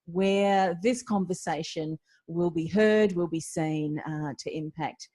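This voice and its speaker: A woman's voice: fairly low pitch, slow, warm tone, breathy edge. A woman from Australia hosting an interview podcast, encouraging her guest and leading a short prayer. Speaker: podcast host.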